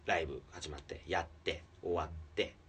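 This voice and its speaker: A man who hosts a comedy podcast tells a story in casual chat. He acts out the quotes and swings from loud outbursts to hushed asides. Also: deep voice, steady tone, normal speed, husky, distant mic.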